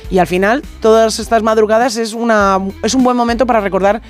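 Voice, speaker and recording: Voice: mid-range voice, steady tone, quick pace, music in the background. A radio co-host on a late-night call-in show, chiming in often with agreement. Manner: supportive, interjecting often.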